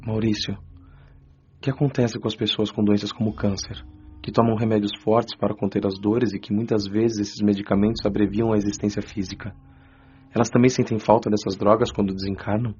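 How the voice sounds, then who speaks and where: An actor with a Brazilian Portuguese accent playing a young man's spirit, a former cocaine addict, telling his story in a low, subdued, confessional way. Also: level tone, a little fast, darkish tone, breathy edge. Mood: inquisitive. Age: young adult. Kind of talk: radio drama first-person account. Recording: dull lo-fi audio with faint music.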